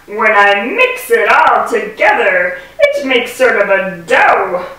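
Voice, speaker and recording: A woman voicing a gentle, busy mother bee puppet, explaining earnestly and emphatically in sing-song rhymes for a children's show. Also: mid-range voice, exaggerated voice. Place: indoor puppet stage in a room. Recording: echoey room, distant microphone.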